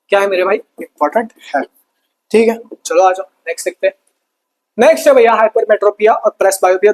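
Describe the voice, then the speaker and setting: A man teaching a lively exam revision lesson, calling the students brother and asking and answering his own questions. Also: high-pitched, rough recording. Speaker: science teacher.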